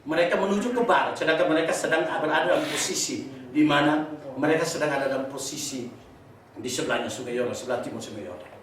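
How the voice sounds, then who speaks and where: Animated preacher in an echoey hall. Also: male voice, a little high, fast, slight background noise. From eastern Indonesia. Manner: animated storyteller, laughing through anecdotes, swings from loud to hushed. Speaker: pastor. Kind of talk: sermon with personal storytelling. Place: church hall. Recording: very echoey hall, speaker far from mic.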